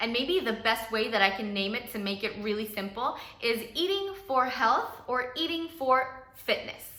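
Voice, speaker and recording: At a moderate pace, a woman with a slight Spanish accent speaks in a fairly high voice with lively intonation, amid audible room echo and noticeable background noise. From Costa Rica. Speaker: nutritionist. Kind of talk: vlog talking to camera.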